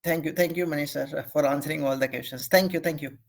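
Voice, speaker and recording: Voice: medium pitch, fairly even intonation, fast, creaky. An investor putting questions on an earnings call in a deferential way.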